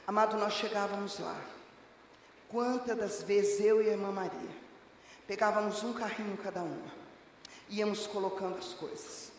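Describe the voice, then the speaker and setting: A middle-aged woman pastor preaching a fervent sermon in a church, often rising to a shout. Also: mid-range voice, steady tone, normal speed, a little hiss or hum. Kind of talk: Pentecostal sermon. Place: church sanctuary. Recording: echoey church hall, voice from a distance.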